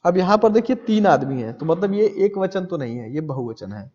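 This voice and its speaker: A man teaching English grammar in a classroom style. He reads English lines slowly, explains them in Hindi, and asks questions that he answers himself. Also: sits high, animated, a little mellow. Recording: dull lo-fi audio with long reverb.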